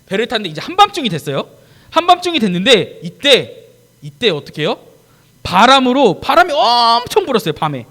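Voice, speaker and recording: Man, children's sermon, high voice, wildly swooping pitch, animated storytelling, questions to kids. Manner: animated storytelling, acting out scenes and quizzing the kids. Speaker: preacher for children. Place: church.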